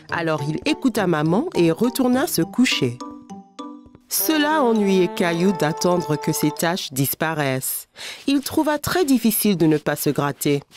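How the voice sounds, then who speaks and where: A woman playing a gentle narrator in a children's cartoon, reading scripted story lines with expressive, clear phrasing. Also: on the low side. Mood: sympathetic.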